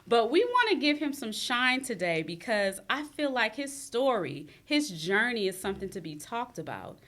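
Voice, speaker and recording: Bright, lively woman podcast host. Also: a little high, normal speed. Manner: lively, playful, hype-giving. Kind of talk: casual podcast interview.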